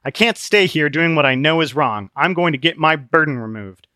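Man voicing a frantic high-pitched young soldier. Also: lively intonation, moderate pace, bright, forceful tone, clean tone, no echo, clean studio sound. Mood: pleading. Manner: strained, pleading, frantic. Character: desperate young male armored soldier.

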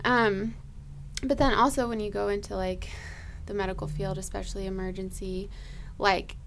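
A woman ER nurse telling a work story in a casual, lively way, laughing often and saying "like" a lot. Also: medium pitch, moderate pace, gravelly, slight background noise. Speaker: ER nurse guest.

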